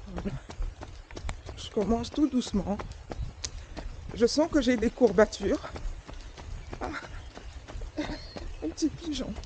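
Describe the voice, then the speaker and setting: Through noticeable background noise, a woman speaks very slowly with lively intonation. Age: 40s. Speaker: fitness vlogger. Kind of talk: casual vlog. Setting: outdoors.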